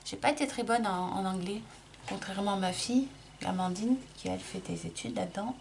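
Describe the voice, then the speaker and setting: In a casual makeup tutorial, a middle-aged woman vlogger talks fairly quickly at a medium pitch, her voice lightly gravelly. She's relaxed and chatty, explaining while applying and frequently restarting with fillers, over a faint hiss and some room ambience.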